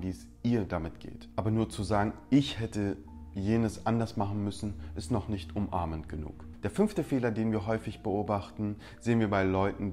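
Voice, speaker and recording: A man with a fairly low voice explains common mistakes in a straightforward instructional talk. He addresses the viewer directly and slips into short acted example lines. Soft music plays quietly underneath. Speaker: presenter of rhetoric tips.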